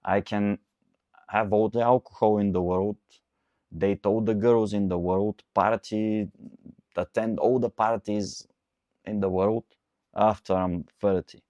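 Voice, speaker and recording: A man's voice: on the low side, steady tone, a little slow, a little mellow, no room sound, lo-fi sound. A man in his twenties, a coach, giving an earnest, repetitive motivational talk. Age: 20s. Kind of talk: motivational monologue.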